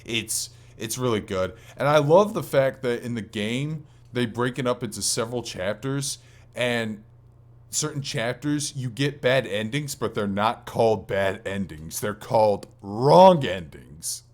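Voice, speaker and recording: A man's voice: medium pitch, expressive, unhurried, a little mellow. A man co-hosting a casual gaming podcast, talking enthusiastically in loose, slangy language with some mild swearing. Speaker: podcast co-host.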